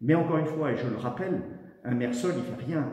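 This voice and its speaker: Audible room echo hangs around a man's voice, which rises and falls with ordinary pitch variation. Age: 60s. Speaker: mayor. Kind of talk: interview. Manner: hesitant, many filler sounds.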